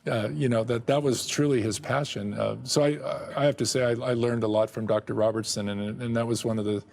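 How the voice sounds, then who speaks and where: A middle-aged man answering interview questions about his work and family, speaking haltingly with frequent restarts and soft chuckles. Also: medium pitch, steady tone, gravelly. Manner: halting, many restarts and repeated words; chuckles often. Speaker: guest, ministry director.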